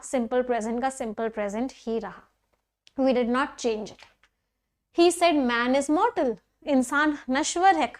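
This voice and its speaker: A woman with a high, bright-toned voice teaches a grammar class. She explains each rule step by step, repeats the key points and often asks the students whether anything is unclear.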